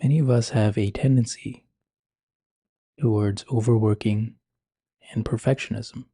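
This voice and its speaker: Soft, husky man guiding meditation. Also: on the low side, fairly even intonation, dry recording, studio quality. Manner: slow, gentle, measured with long pauses. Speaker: meditation guide. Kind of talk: guided meditation.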